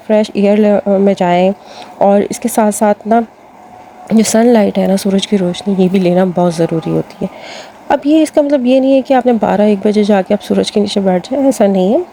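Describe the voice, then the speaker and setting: A woman's voice: mid-range voice, warm tone, slight background noise. A woman with a Pakistani Urdu accent giving casual advice to women, chatty and full of fillers, speaking to her viewers as sisters. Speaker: lifestyle advice host.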